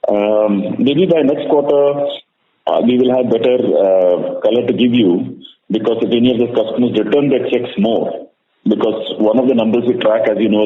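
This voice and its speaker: Low-voiced Indian man on an echoey phone line. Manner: repetitive, halting, emphatic restating of phrases. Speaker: bank executive on an earnings call. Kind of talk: spontaneous answers to analyst questions. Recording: echoey narrowband phone line with faint noise.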